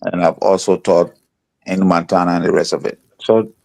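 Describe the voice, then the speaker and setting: A man introducing himself as a psychotherapist and educator on a talk panel, measured and prone to repeating words. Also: sits low, steady tone, vocal fry, a little mellow. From Liberia.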